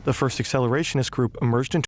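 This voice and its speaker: Guy doing doc narration, calm and measured, normal pitch. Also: soft background music. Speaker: documentary narrator. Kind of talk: scripted narration.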